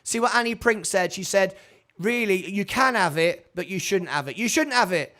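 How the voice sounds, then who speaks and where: A man's voice: sits high, lively intonation, moderate pace, pushed and bright. A man hosting a live call-in chat show, chatty, repeating himself and stumbling over his words. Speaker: show host. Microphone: video call.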